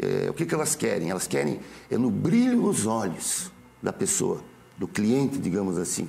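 Moderate pace from a man, with music in the background. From Brazil, Curitiba. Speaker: visual artist. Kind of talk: TV interview. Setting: studio. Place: studio. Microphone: lapel.

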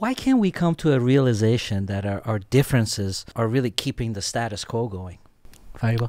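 The background is quiet while a man speaks. His pace is moderate and his pitch varies in an ordinary way. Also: dry sound with no echo. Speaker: podcast host. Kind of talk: interview. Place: studio. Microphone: studio mic.

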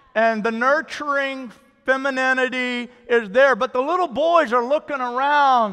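Crowd noise behind a man's raised, projected voice, extremely high in pitch, with ordinary pitch variation. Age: 50s. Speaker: pastor. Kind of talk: sermon. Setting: church. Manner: animated. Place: church.

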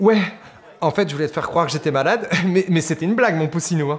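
In a put-on character voice, a hoarse speaker at middle pitch rattles along at a very fast pace over light background noise. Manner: feigned illness, joking.

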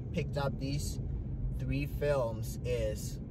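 Someone speaks very slowly over loud background noise, the sound dry with no echo. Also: man. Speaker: film photographer vlogger. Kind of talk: casual vlog chat. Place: car. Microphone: phone near.

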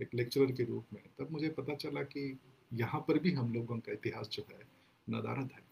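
With vocal fry in his voice, a man speaks at a moderate pace and with fairly even intonation. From India, Gadchiroli district, Maharashtra; Maharashtra. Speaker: historian and lecturer; lecturer. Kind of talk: lecture. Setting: live online broadcast. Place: home room. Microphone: webcam.

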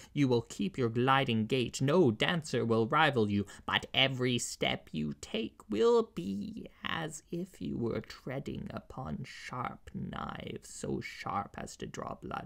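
Putting on a character voice, a man talks at a fairly slow pace with hardly any pauses. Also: medium pitch for a man. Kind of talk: storytelling, acted dialogue. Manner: menacing, mocking.

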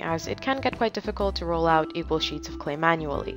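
Moderate-paced speech from a woman, music in the background. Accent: non-native. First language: non-native English speaker. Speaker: polymer clay crafter. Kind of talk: craft tutorial voice-over. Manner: casual, with filler words.

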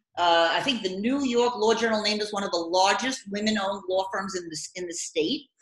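A woman speaks with ordinary pitch variation. The background is quiet, with audible room echo. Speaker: tax attorney. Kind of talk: interview. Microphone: video call.

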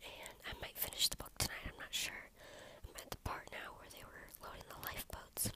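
Whispering at a fairly quick pace. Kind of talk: casual vlog to camera. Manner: quiet, whispered.

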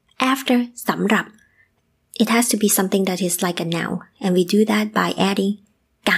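A woman with a Thai accent speaks at medium pitch with vocal fry and ordinary pitch variation. She leaves long, frequent pauses. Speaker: language teacher and podcast host. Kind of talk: tutorial. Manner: slow and clear.

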